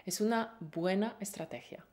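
A woman's voice: mid-range voice, moderate pace, darkish tone. A woman co-hosting a Spanish-learning podcast, teaching in a playful, encouraging way with pet names. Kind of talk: lively scripted lesson.

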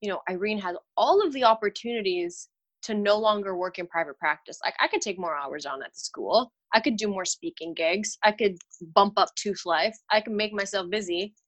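Speaking at a normal speed in a mid-range voice, this woman from Romania joins a podcast as a guest. A dental hygienist, she chats candidly and animatedly about her job and life, often laughing at herself.

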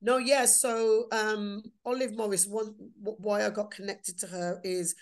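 A woman's voice: medium pitch, steady tone, a little slow. A woman with a Black Country accent talks casually as an interview guest, emphatically repeating words for stress. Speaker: podcast guest, performer and writer.

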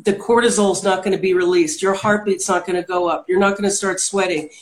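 A woman's voice: mid-range voice, steady tone, brisk. A woman who is a podcast guest and hypnotist, explaining a technique step by step in an earnest, methodical way. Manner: earnest, walks through steps methodically. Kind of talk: explanatory interview talk. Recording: roomy echo.

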